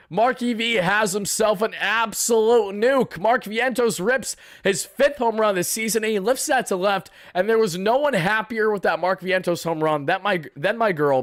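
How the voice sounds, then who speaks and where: A young man, hoarse from yelling, chatting through a baseball game recap for live viewers in a casual, boastful way. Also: sits high, no echo, studio quality. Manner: chatty, boastful fan banter. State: raspy from yelling. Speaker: sports fan channel host.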